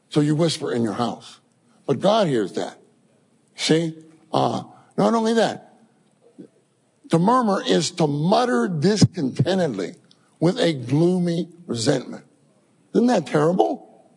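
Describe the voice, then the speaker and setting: Man, sermon, husky voice, animated storytelling preacher. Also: on the high side, in a large hall. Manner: animated storytelling, addresses congregation as saints.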